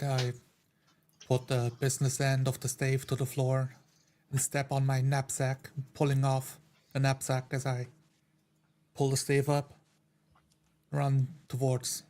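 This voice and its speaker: A man plays a tabletop roleplaying game, describing his character's moves as he improvises. He speaks slowly, with a flat, even intonation at a middling pitch.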